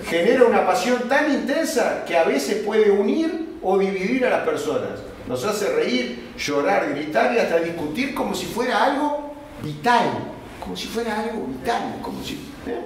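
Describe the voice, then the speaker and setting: The man you would hear at an evening literature class from the back row of a very echoey room, lecturing in a high voice and checking in with everyone. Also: big pitch swings, normal speed. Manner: conversational, peppered with questioning tags to the class. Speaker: literature workshop teacher. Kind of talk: informal lecture, reading notes aloud with asides. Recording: echoey room, distant mic, faint noise.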